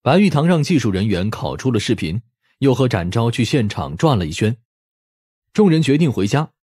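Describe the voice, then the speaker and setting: A man's voice: medium pitch, big pitch swings, moderate pace, darkish tone, slightly rough, dry recording, clean studio sound. A man reading scripted story narration expressively, as an audiobook narrator.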